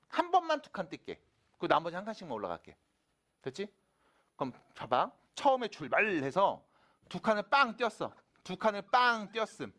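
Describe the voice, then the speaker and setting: A man's voice: high voice, fairly bright tone. A man working through exam math problems as a teacher, informal and often checking understanding with short questions, his articulation slightly slurred as if after dental work. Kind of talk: exam problem explanation to students.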